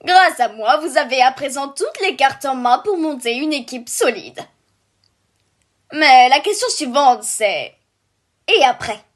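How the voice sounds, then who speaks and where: A woman's voice: high voice, expressive, a little slow. A woman playing a female robot squad leader in a cartoon fan dub, chirpy with office jargon and brittle professional composure. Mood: self-assured. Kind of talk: scripted fan dub of an animated series.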